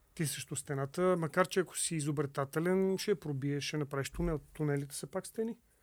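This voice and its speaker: In an unremarkable speaking voice, a man talks at a fairly high pitch with ordinary pitch variation and hardly any pauses. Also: fairly quick pace. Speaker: geodesy professor and Antarctic expedition member. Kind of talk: interview.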